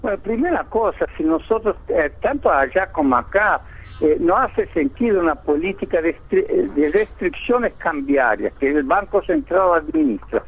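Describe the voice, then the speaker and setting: A man's voice: high voice, sing-song, moderate pace, slightly rough. A man from Argentina with a Brazilian-tinged Argentine Spanish accent, an economist explaining his points step by step in a radio interview over the phone. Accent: Argentine Spanish with a Brazilian Portuguese lilt. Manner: explanatory, lays out points in order, tag "¿viste?". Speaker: economist guest. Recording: tinny phone line.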